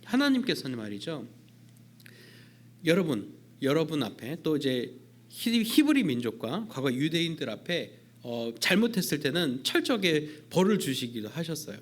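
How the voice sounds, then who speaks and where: A youth pastor man giving a sermon at a church service, in a voice pitched a little above average for a man. He talks in a loose, conversational way, with many filler sounds. He keeps an informal, chatty tone throughout. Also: big pitch swings, moderate pace.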